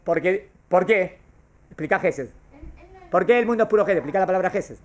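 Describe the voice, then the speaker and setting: A man's voice: high-pitched, brisk. Man teaching Torah, asking the class questions. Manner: asks the class questions and answers them himself. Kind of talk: classroom lesson on Jewish thought.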